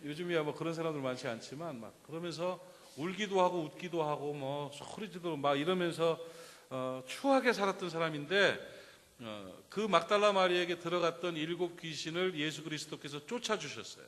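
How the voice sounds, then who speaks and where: A man's voice: fairly high pitch, fairly quick, fairly bright tone. A man preaching a Sunday sermon as pastor, telling a story, putting questions to the congregation and acting out the weeping in it. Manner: storytelling, asks the congregation questions and acts out wailing. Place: church sanctuary. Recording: long church reverb.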